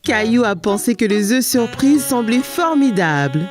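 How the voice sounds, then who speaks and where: A woman performing as the gentle storytelling narrator of a children's cartoon in French, with soft music behind. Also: fairly high pitch, sing-song, measured pace.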